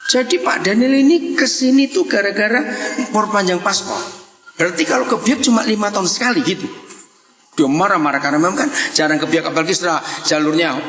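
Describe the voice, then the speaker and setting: A male pastor preaching a sermon in a lively, joking manner, telling stories and acting out dialogue. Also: sits high, fairly quick. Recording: echoey hall with long reverb.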